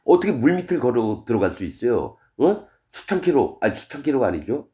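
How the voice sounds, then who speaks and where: A male pastor preaching a sermon, reading verses and retelling them in plain, casual speech, full of rhetorical questions. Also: brisk. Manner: animated, wide swings in pitch and loudness. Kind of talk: expository sermon reading scripture.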